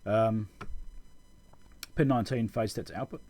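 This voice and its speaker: A man with a husky, fairly low voice talks through a technical explanation. His tone is soft-edged and relaxed, and his delivery is informal, like someone thinking aloud while he teaches. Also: normal speed. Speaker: electronics repair video host. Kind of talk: casual technical tutorial over schematics.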